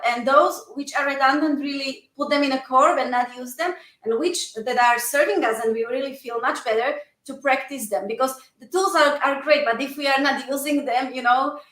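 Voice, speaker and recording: Slovak-accented woman, high voice, earnest guest talk, echoey room, leans on fillers. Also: fairly bright tone. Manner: earnest, many "you know" fillers. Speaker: guest coach. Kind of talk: casual interview talk.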